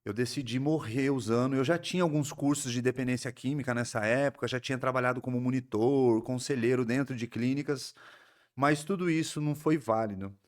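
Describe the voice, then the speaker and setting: Homem, sotaque paulista do interior, fala séria e pausada, relato pessoal, entrevista em podcast. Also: male voice, mid-range voice. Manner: earnest, reflective storytelling with frequent restarts. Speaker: psychoanalyst guest. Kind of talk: personal recovery story in a podcast interview.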